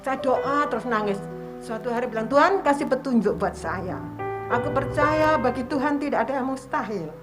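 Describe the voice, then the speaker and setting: A woman's voice: high voice, lively intonation, normal speed, music in the background. A woman in her seventies with an East Javanese accent, giving a personal testimony at a worship service and acting out her prayers as she tells the story. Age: 70s. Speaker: church member giving testimony.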